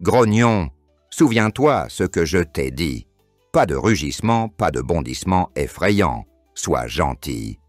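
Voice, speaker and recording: A very deep, animated ogre dad from a children's cartoon , acted by a man. He is firm and protective, stern yet caring. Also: slow, no echo, faint music behind, heavily acted. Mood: reluctant, protective. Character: cautious adult male ogre father, stern but caring.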